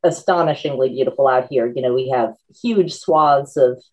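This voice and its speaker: Low-voiced forty-year-old woman. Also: normal speed, low-quality recording. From Northern Virginia, USA. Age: 40s. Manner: relaxed, chatty, laughs often. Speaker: guest author. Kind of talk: casual interview chat.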